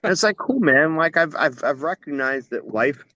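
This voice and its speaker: A man's voice: on the high side, lively intonation, moderate pace, bright, forceful tone, dry recording. Man in his forties, casual rambling talk, profane, dry dull lo-fi sound. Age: 40s. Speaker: podcast guest, musician. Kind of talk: casual chat.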